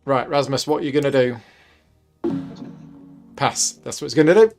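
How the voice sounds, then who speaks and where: A man's voice: medium pitch, vocal fry, a little mellow, soft background music. A man running the turns of an online board game and chatting casually. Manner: brisk, runs the turns. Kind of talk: casual chat while gaming.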